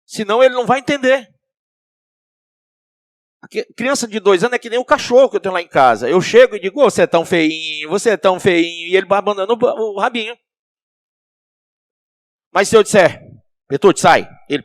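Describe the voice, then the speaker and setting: A male pastor with a Brazilian accent preaching a sermon, asking the congregation questions and swinging between soft and loud. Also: sits high, dry recording, clean studio sound. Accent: Brazilian Portuguese.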